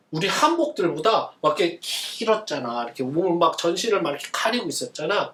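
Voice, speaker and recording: A male pastor giving a children's sermon, asking the kids questions and answering them himself in an animated way. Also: high voice, roomy sound, distant mic. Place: church.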